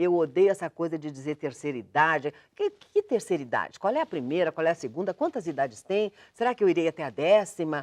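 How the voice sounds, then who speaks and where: A woman with an unremarkable speaking voice talks at a fairly low pitch and a fairly quick pace, with lively intonation. The sound is dry and close, with no echo. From Brazil, Curitiba. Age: 60s. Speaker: TV news presenter and singer. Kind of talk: interview.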